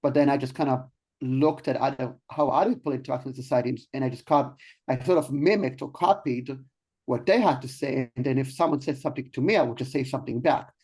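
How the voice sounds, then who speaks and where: A man's voice: medium pitch, fast, darkish tone, breathy edge. A young man from Israel, a guest in an interview, talking casually with many ums and restarts. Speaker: guest, life coach.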